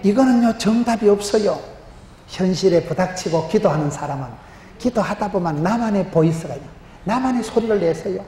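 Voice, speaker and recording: A middle-aged man with a strong Gyeongsang dialect, preaching an animated, humorous sermon, often dropping low for punchlines. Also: brisk. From Gyeongsangbuk-do, Korea. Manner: emphatic, humorous, gestures a lot, drops to low punchlines. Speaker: pastor. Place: large church stage with chalkboard. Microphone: handheld microphone. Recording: roomy hall reverb, faint noise.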